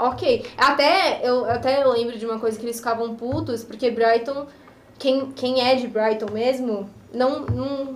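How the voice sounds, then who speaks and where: A woman with a high-pitched voice talks in a room with audible echo and noticeable background noise. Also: fairly even intonation, fairly slow pace. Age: 20s. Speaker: university student. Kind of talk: casual chat. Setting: studio.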